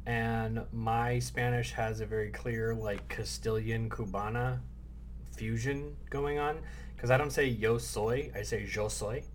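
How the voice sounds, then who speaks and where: A man's voice: mid-range voice, steady tone, a little slow. A man co-hosting a podcast in casual chat, reflective and thinking aloud. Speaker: podcast co-host. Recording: faint background noise.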